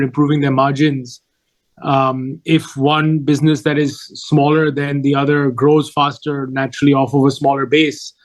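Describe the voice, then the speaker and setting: A man speaking as a company executive on an earnings call, explaining in a methodical way. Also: a little high.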